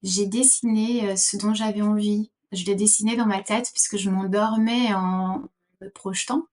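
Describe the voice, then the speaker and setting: A woman's voice: medium pitch, steady tone, normal speed, darkish tone. A middle-aged woman from Portugal answering interview questions thoughtfully, with many fillers and restarts. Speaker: podcast guest.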